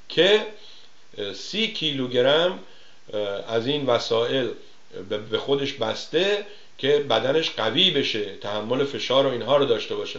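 An Iranian man with a medium-pitched, slightly bright voice hosts a call-in TV talk show, delivering a casual monologue. He jokes as he tells stories and imitates the people he quotes, and the studio sound is roomy and a bit dull.

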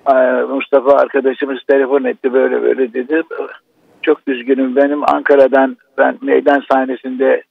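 A man calling in to a radio show over a phone line, speaking haltingly with many restarts as he grieves. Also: medium pitch, level tone, vocal fry, no echo. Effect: radio show caller on a phone line. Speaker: actor phoning in to a broadcast.

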